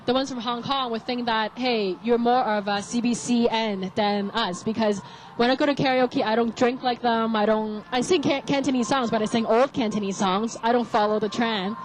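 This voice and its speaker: A woman's voice: fairly high pitch, steady tone, normal speed, slight background noise, poor audio. A woman speaking as a panel guest in a chatty way. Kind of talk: panel discussion.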